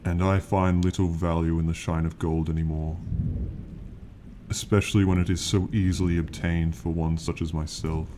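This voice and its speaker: A man voicing an ancient, proud male dragon in an ASMR fantasy roleplay, speaking slowly and formally with lofty, condescending yet fond authority. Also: deep voice, level tone, noisy background, lightly acted. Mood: regal, reassuring. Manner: slow, formal, lofty, archaic phrasing.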